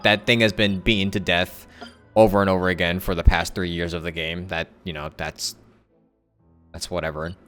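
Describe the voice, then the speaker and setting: A male live streamer and content creator chats casually with his viewers over faint background music. His low, smooth voice sounds pushed and bright, and he rambles, thinking aloud and correcting himself.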